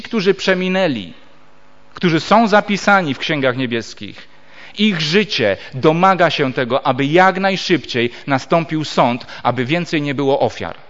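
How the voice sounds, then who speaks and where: A man preaching a Bible teaching sermon. He explains step by step and reads scripture aloud with measured pauses. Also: fairly high pitch, fairly bright tone. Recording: dull lo-fi recording.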